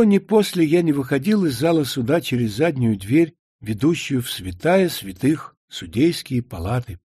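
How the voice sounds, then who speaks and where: Husky-voiced man narrating an audiobook. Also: fairly high pitch, warm tone, dry recording, clean studio sound. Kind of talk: first-person audiobook narration.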